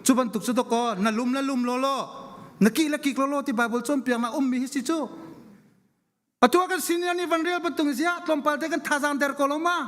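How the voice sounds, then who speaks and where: High-pitched, fervent male preacher in echoing hall. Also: fast talker, fairly bright tone. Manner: emphatic, repeats phrases for stress. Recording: long echoing hall reverberation.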